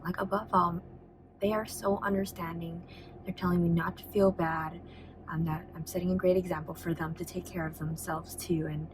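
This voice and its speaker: A young woman teacher talking in a casual, emotional vlog, with a raspy voice and a soft, reflective way of talking full of fillers. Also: fairly low pitch, background noise. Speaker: high school history teacher.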